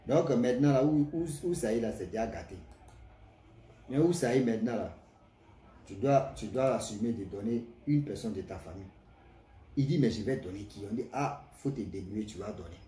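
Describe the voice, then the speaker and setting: Echoey dark-voiced man telling a story. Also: medium pitch, recorded from a distance. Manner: repetitive, emphatic, addresses listeners directly. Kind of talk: casual spoken storytelling. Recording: echoey room, voice from off-mic, faint ambience.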